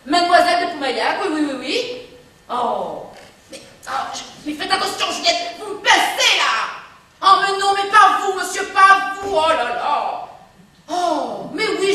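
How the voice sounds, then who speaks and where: An actress playing a fussy, flustered elderly spinster aunt in a live stage operetta. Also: female voice, high voice, fairly bright tone, a little hiss or hum, exaggerated voice. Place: theatre stage. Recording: echoey theatre from far off.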